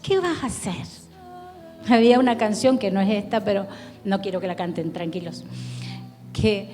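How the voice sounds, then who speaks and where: A woman's voice: mid-range voice, normal speed, mellow, big-room sound, soft background music. A woman pastor with an Argentine accent, preaching a sermon in an earnest, pleading way, talking straight to the listener. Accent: Argentine Spanish. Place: church hall.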